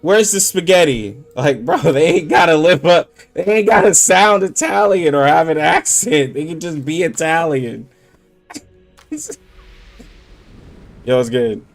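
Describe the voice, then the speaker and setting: A man's voice: a little high, expressive, a little slow, vocal fry, soft background music. A man streaming games, chatting casually with heavy slang and many "like" fillers, laughing often. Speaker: gaming streamer. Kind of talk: casual livestream chat.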